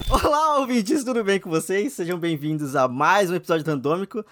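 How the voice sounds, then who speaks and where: Fast-talking giggly Brazilian man host. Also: sits high, expressive, background noise. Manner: chatty, giggly, explains at length. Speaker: podcast host. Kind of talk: casual podcast chat.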